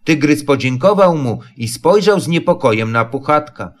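A man narrating a children's storybook in a calm, measured way. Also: fairly high pitch. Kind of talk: storybook reading.

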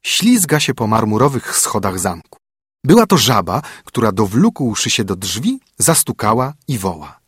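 A man reading a fairy tale aloud, lilting and expressive as he narrates. His voice is husky with lively swings in pitch. The recording is dry and close, without room sound. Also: no echo. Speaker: storyteller.

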